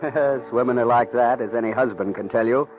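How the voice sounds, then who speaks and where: A man's voice: mid-range voice, fairly quick. A man delivering dramatic scripted narration for an old radio programme. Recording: muffled old radio recording, music.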